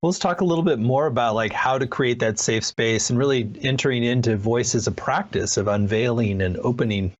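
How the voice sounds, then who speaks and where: A man's voice: medium pitch, brisk, hardly any pauses. A man's voice, a little dull and lo-fi in the recording, sits in a middle register. He interviews conversationally, feeling his way tentatively through each question. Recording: slightly dull, lo-fi audio.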